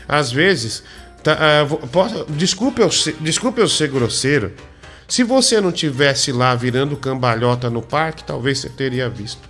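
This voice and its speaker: A man's voice: mid-range voice, a bit bright. A man hosting a comedy radio show, needling and teasing his co-host.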